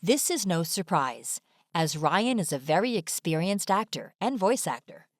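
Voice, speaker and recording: A woman's voice: on the low side, sing-song, a little slow, dry recording, clean studio sound. A woman reading scripted narration as the presenter of an informational video. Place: dry studio voice-over.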